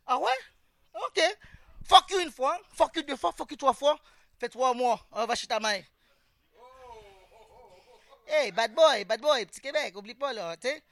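A man's voice: very high-pitched, animated, unhurried, creaky, pauses often, fairly bright tone, no echo. A man with a Québécois French accent doing a stand-up comedy routine on stage, talking street slang, throwing "man" into every line and quizzing the audience. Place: stage before a live audience.

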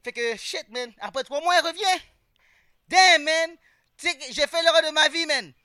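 This is a studio-quality take with no room sound: a very high, sharp-toned male voice at a moderate pace. He's a Québécois-accented comic doing stand-up before a live audience, talking street slang, dropping "man" into every line and questioning the crowd.

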